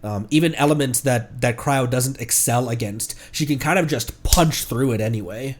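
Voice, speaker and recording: A man with a stuffed-up nose giving casual, rambling commentary as a livestreamer, often halting and correcting himself. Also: medium pitch. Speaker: livestreamer, VTuber. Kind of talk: casual game stream commentary.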